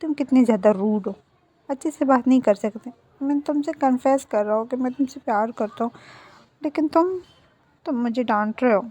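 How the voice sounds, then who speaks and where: A woman's voice: high-pitched, moderate pace, warm tone. A woman voicing a whiny, melodramatic young man who pleads and stammers. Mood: hurt. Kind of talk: storybook dialogue read by a narrator.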